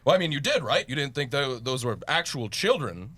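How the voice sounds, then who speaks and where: A man's voice: medium pitch, very animated, brisk, fairly bright tone. A man playing a theatrical but bumbling, awkward monster hunter in a comic radio play. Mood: sheepish, casual. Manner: bombastic entrance, sheepish casual talk. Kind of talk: comedic audio drama acting.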